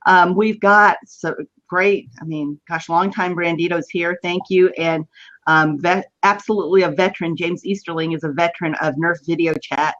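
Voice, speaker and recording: A woman's voice: lowish voice, fairly even intonation, moderate pace, a bit bright. West Texas drawling woman hosting, dull lo-fi audio. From West Texas, United States. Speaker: host of an online video chat. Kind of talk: casual live-stream hosting. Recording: dull lo-fi web video call.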